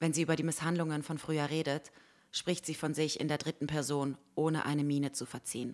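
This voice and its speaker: Speaking at a moderate pace, a woman with a very deep, low pitch keeps a monotone, flat intonation in a very clean recording with a silent background. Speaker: true crime podcast co-host. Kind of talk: storytelling case narration. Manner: reading aloud from script.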